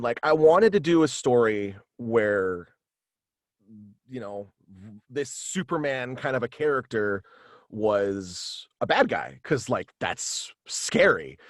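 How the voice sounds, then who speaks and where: A man talking casually as an interview guest on a video call, halting and animated in manner. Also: medium pitch, no room sound, clean studio sound. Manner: halting and animated, slipping into quoted dialogue. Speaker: guest, voice actor and author. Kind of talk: casual interview chat about own radio play. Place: indoors at home, on a video call.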